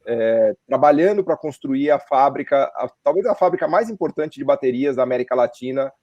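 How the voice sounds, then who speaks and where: A male podcast host with a mellow, warm voice, leading an interview in a conversational way and often tagging his sentences with questions. The sound is dry and a little dull, like a lo-fi recording. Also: mid-range voice, animated, a little fast, no room sound.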